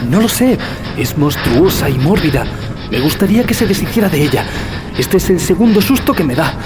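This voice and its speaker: Nervy young student in horror audio play, high voice, music behind. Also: male voice, very animated, a little fast. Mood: uneasy. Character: uneasy young male student, worried friend. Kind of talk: audio horror drama acting.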